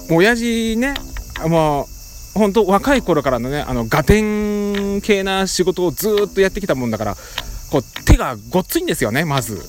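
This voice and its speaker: A middle-aged man casually telling a story as a podcast host, animated, with playful sound effects and rough casual phrasing. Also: sits high, slight background noise.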